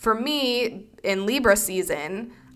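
A woman's pitch varies in an ordinary way, captured in a very clean recording against a silent background. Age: 20s. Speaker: podcast host. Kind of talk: casual solo monologue.

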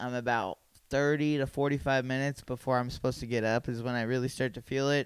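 Fairly quick in pace, a man talks with an ordinary speaking voice. His medium pitch carries fairly even intonation. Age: 20s. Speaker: stand-up comedian. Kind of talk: casual chat.

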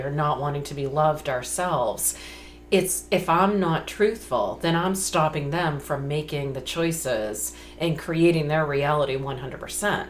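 A woman speaks at a very deep, low pitch and a fairly slow pace, with ordinary pitch variation. Audible room echo and noticeable background noise fill the recording. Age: 50s. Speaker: podcast host. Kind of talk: casual chat.

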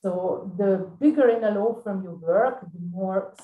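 A woman's medium-pitched, somewhat breathy voice with a Hungarian accent, ordinary pitch variation and a very slow pace. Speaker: lawyer. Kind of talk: webinar presentation. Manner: halting.

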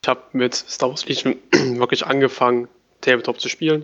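A man talks at a fairly quick pace. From Thuringia, Erfurt. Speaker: podcast co-host, tabletop gamer. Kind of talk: casual chat.

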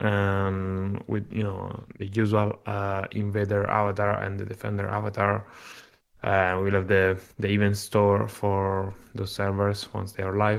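A man with a fairly low pitch speaks fairly slowly in a monotone, flat way. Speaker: community manager. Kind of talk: live interview on a game podcast. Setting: video call from another time zone.

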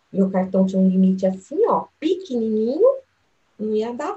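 The voice is dark and mellow, somewhat breathy, with lively intonation at a moderate pace. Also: woman. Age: 50s. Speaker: course participant. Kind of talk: testimony. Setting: video call.

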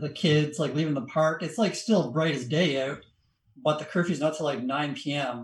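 A man's fairly high, somewhat breathy voice with a Canadian accent, at a moderate pace with ordinary pitch variation. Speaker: podcast co-host, guest. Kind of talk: casual chat about a movie.

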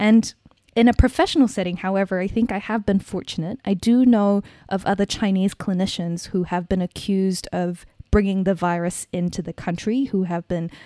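A woman speaks at a moderate pace with a dark, mellow tone, a medium pitch, and ordinary pitch variation. The recording is very clean, with a silent background and a dry, close sound with no echo. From Brunei. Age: 20s. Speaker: doctor. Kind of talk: interview.

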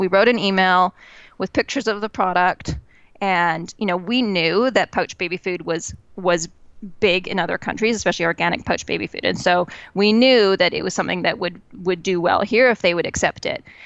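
In an ordinary speaking voice, a woman talks fairly quickly, her pitch varying in an ordinary way. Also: medium pitch for a woman. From Canada. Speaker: food company co-founder. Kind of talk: interview.

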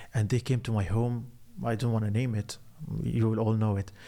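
A man with a Palestinian accent, dark and mellow in tone, monotone and flat in intonation, at a moderate pace. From Gaza, Palestine. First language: Arabic. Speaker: journalist. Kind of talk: panel interview. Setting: studio.

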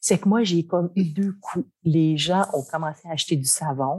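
This woman has a fairly low pitch, ordinary pitch variation, and a somewhat breathy sound. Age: 50s. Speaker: entrepreneur, company founder. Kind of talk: interview.

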